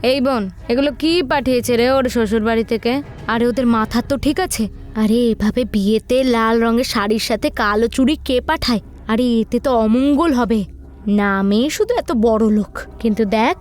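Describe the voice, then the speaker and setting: একজন মহিলা অডিও ভূতের গল্পে কনের সন্দেহপ্রবণ জেঠিমার ভূমিকায় সোজাসাপটা, শাসনের সুরে কথা বলছেন।. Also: female voice, a little high, moderate pace, darkish tone, soft background music, lightly acted. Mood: indignant. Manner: blunt, scolding, bossy. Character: outspoken, suspicious elder aunt of a village bride. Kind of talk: audio horror story dialogue.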